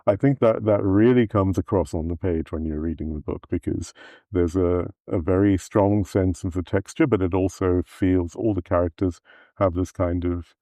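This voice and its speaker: A man interviewing an author in a measured, thoughtful way, often saying "kind of". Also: deep voice, dark tone, dry recording. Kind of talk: conversational interview.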